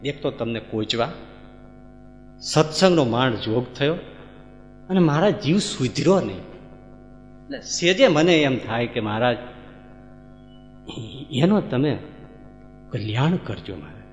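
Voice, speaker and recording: A tearful devout wife begs humbly for her husband's sake, as a male preacher puts her on in his own voice. Her words come low and soft, from a dull, muffled recording in a big echoey hall with faint music under it. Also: big pitch swings, slow, long pauses. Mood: humble. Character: grieving devout woman pleading for her husband.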